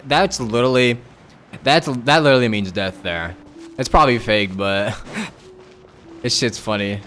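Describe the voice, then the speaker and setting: Animated, casual male game streamer. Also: on the high side, a little hiss or hum. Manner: swears casually, amused. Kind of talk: casual live-stream reaction.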